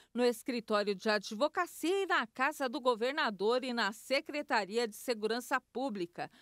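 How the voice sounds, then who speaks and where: A woman reading a scripted news voice-over in a brisk, formal way. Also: on the high side, a bit bright, no echo, clean studio sound. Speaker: news reporter.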